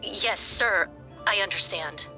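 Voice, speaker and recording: An actress playing a respectful, slightly hesitant security officer in a video game. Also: female voice, mid-range voice, slow pace, pushed and bright, faint music behind. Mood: dutiful. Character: dutiful female security officer.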